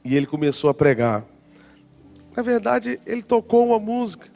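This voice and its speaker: A man in his forties giving a lively storytelling testimony at a conference, acting out the voices of people in his story. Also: sits high, moderate pace, gravelly, long reverb tail, faint music behind. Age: 40s. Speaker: worship leader giving a testimony.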